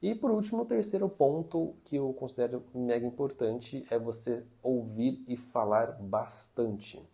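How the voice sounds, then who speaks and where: A man gives language-learning advice in a relaxed, chatty teaching monologue. His voice carries a gravelly fry and a mellow, dark tone, and he leans on little fillers as he explains. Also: mid-range voice, a little slow. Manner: chatty, uses many fillers like "né" and "tá". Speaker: Mandarin teacher. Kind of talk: casual teaching monologue to camera.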